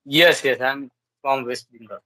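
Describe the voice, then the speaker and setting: A man's voice: medium pitch, fairly even intonation, a little slow, bright, forceful tone, dry recording, poor audio. Hesitant Indian man on a video call. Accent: Indian English. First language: Urdu. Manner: hesitant, many fillers and restarts. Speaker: English learner. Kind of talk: casual video call chat.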